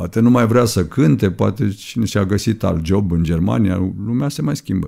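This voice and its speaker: Over a quiet background, a man speaks at a moderate pace in a fairly low pitch, his dark, mellow tone carrying vocal fry and lively intonation. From Romania, Bucharest. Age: 60s. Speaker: rock guitarist; podcast guest. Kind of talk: casual interview chat. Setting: radio studio. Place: studio. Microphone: studio mic.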